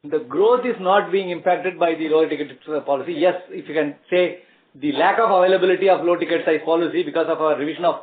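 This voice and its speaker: Halting Indian male executive on phone line. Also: fairly high pitch. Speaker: company executive answering analysts. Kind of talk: earnings call answers. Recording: tinny phone-like conference line.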